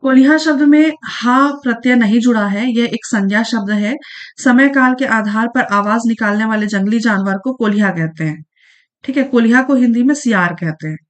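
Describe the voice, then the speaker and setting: A woman walks students through exam questions in a relaxed, repetitive way. She keeps coming back to fillers and reminders to remember each answer. Her voice sits a little high. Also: moderate pace. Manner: repeats points, frequent fillers and "ठीक है, याद रखिएगा". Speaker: exam prep teacher. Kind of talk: casual explanatory lesson.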